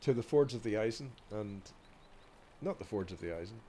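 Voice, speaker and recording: A man's voice: lowish voice, lively intonation, normal speed, warm tone, slight background noise. Bunged-up man rambling with a cold. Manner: meandering, hesitant, many ums and restarts. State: stuffy nose from a cold, coughing. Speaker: video host. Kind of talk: rambling walk-along commentary.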